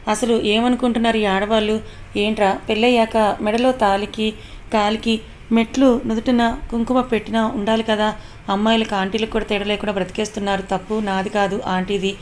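A touchy young man who takes offense easily snaps and grumbles at his friends, as a woman reads his lines. Her voice stays mid-pitched and fairly flat, close to her narrating voice. There is a faint hiss behind. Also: fairly quick, close to an everyday voice. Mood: irritated. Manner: snappish, complaining.

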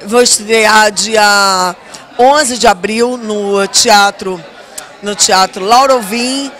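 A woman's voice: fairly high pitch, a bit bright. A middle-aged actress chatting backstage into a handheld mic, promoting her upcoming play in a chatty way. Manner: chatty, promotional, stretches words. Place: backstage at a theater, indoors. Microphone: handheld interview mic.

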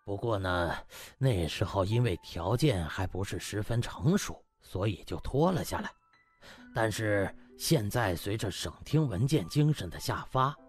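A man's voice: fairly low pitch, breathy edge, voice pushed down. A man voicing a shrewd older party official in an audiobook, giving pompous, emphatic speeches. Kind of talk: audiobook character acting.

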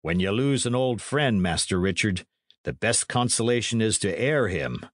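A man's voice: lowish voice, animated, normal speed, no room sound, studio quality. A man voicing a blunt, cheerfully grasping medieval soldier in an audiobook, with plain-spoken archaic speech. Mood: covetous, musing.

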